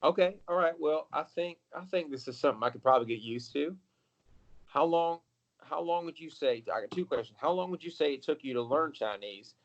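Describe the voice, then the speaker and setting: A man playing a clueless, easily thrilled tourist in an improv comedy scene, talking excitably and swinging between awe and letdown. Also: a little high, fairly quick, lo-fi sound. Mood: puzzled.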